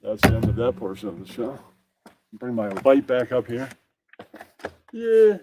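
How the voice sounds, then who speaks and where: A man's voice: medium pitch, sing-song, a little slow, noisy background. A man hosting his own puppet show, chatting off-script and muttering to himself as he sets up. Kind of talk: casual off-script chat while setting up.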